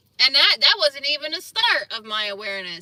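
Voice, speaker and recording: A woman's bright, sharp voice with lively intonation and an American accent. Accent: Philadelphia accent, comes out sometimes. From US East Coast (Philadelphia and New York). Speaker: energy healer and livestreamer. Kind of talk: casual livestream chat.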